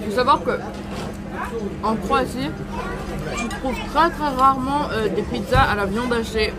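Young woman, travel vlogger, high-ish voice, chatty with fillers; busy crowd around her. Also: measured pace. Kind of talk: casual travel vlog talk. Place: outdoors and at restaurant terraces.

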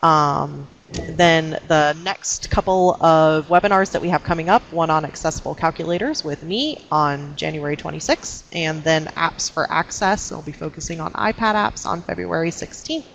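A woman with a slightly low voice hosts an online webinar, running through informal announcements. She is on a video call, with faint noise behind her. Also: moderate pace, creaky, a bit bright, poor audio. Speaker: webinar host. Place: indoor room, on a webcam video call.

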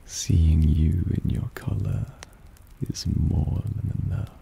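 A man playing a possessive, softly dominant vampire in an intimate ASMR roleplay, breathy and often half-whispered, teasing and coaxing. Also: low voice, steady tone, slow, slight background noise, full character voice. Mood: tender, possessive. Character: possessive, softly dominant male vampire doting on his pet.

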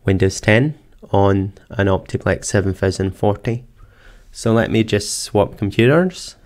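A man narrating a screen-recorded computer tutorial, calmly explaining each step in order. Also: on the low side. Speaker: tech tutorial presenter. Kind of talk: screen-recorded software walkthrough. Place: voice-over for screen capture.

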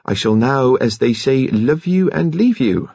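A man voicing a brisk, cheerful female district nurse with a hearty, bustling manner, as part of a story reading. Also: medium pitch, animated, gravelly, darkish tone, husky, no room sound, lo-fi sound, voice pushed up, exaggerated voice. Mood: cheerful, teasing. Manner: hearty, bustling, chirpy turns of phrase.

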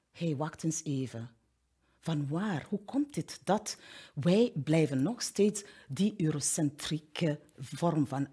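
A woman's voice: on the low side, a little mellow, breathy edge. A middle-aged woman giving a keynote talk to teachers, gesturing a lot and often restarting or repeating words as she searches for them. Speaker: keynote speaker. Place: studio in front of a plain backdrop.

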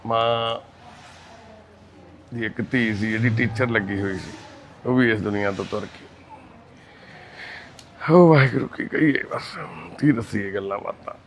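A man chatting gently and reassuringly with residents of a shelter, greeting the women as mothers and sisters. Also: mid-range voice, creaky. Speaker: charity volunteer visiting residents. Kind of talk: casual chat with care-home residents. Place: indoor shelter for destitute people.

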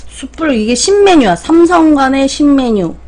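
A woman's voice: high voice, lively intonation, moderate pace, a little mellow. A young woman chatting casually with viewers on a livestream while she eats. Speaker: mukbang streamer. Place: small room at home, indoors.

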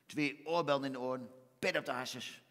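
A man's voice: mid-range voice, brisk, a bit bright, in a large hall. A man with a Twents accent performing a mock-solemn, exaggerated comic monologue on a theater stage. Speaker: comedian.

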